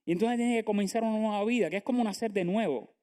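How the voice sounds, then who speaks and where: A man's voice: high voice, quick pace, mellow. A man preaching a sermon to a congregation as pastor, earnest and full of rhetorical questions. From Latin America. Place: church sanctuary.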